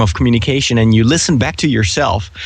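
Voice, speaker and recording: A man speaks at a medium pitch with a Dutch accent. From Netherlands. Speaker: priest and podcaster. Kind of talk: casual interview chat. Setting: Skype call. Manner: hesitant, repeats words.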